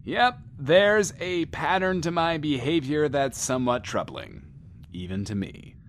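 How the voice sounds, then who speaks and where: An actor playing a sardonic, theatrical radio host with mad-inventor flair, rambling wryly in an audio drama. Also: male voice, on the high side, lively intonation, unhurried, a little hiss or hum.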